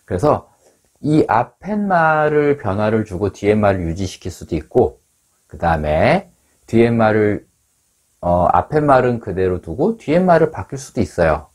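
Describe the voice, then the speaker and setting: A man with a somewhat low, husky voice gives an English lesson. He explains in a steady, patient way and says each practice phrase slowly and twice so listeners can copy it. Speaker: English teacher.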